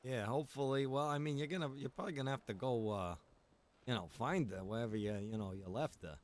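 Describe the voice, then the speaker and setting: A man's voice: mid-range voice, fast, close to an everyday voice. A man playing a mild-mannered, easygoing survivor who makes hesitant small talk in an improvised online game roleplay. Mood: sympathetic.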